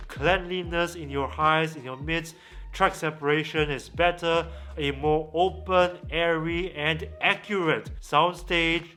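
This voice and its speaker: Man, tech review host, higher-pitched voice, bright forceful tone, deliberate pauses, music behind. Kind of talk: product review to camera.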